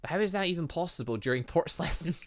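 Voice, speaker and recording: A man commentating on a game as its host, excitable and rambling, thinking aloud with frequent asides and exclamations. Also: fairly high pitch, fast talker, dry recording, studio quality. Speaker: gaming channel host. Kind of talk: let's-play commentary, reading game dialogue aloud.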